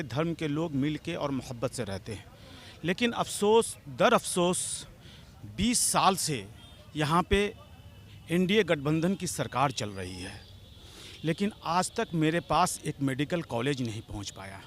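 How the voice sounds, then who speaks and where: A man's voice: a little high, fairly bright tone, slight background noise. A man giving an impassioned, argumentative street interview, pressing his demands and repeatedly calling the interviewer madam. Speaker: local political supporter interviewed.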